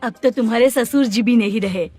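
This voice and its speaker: A woman's voice: a little high, a little fast, a little mellow, faint music behind, lightly acted. A woman dubbing an older widowed mother-in-law in a film, coaxing and wheedling her son-in-law.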